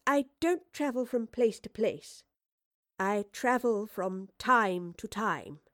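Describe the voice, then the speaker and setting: A woman's voice: medium pitch, animated, no room sound, clean studio sound. A woman voicing an educated young Victorian lady inventor, earnest and anxious, in an audiobook story. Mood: quiet, hesitant. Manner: well-spoken, earnest, halting when explaining. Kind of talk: acted audiobook dialogue.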